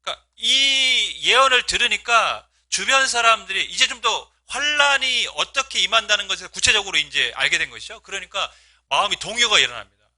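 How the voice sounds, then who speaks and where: This male pastor preaches with a high, animated voice that is brisk, pushed, and bright. He asks the congregation rhetorical questions and acts out quoted speech with feeling, raising its emotional emphasis.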